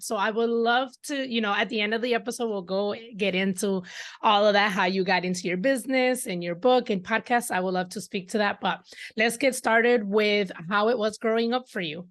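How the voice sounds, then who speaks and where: Woman hosting an interview podcast. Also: medium pitch. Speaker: podcast host.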